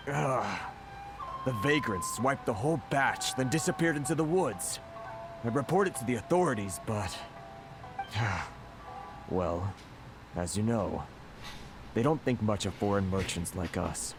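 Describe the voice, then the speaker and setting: Worried trader, sighing, apologetic, lively pitch swings; over game music. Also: male voice, slow pace, long pauses. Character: anxious foreign merchant man, downtrodden, polite.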